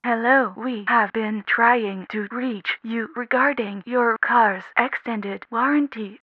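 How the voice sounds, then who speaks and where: A woman's voice: on the high side, slow pace, no echo. A woman voicing a scripted telemarketing caller in a cartoon parody, heard over a dull phone line. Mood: businesslike. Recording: dull, dry, band-limited phone call.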